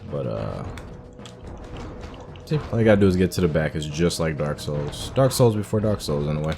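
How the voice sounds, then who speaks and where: A man hosting a game playthrough, giving relaxed, rambling commentary full of fillers. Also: extremely low pitch, moderate pace, gravelly, over music. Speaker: gaming host. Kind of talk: casual gameplay commentary.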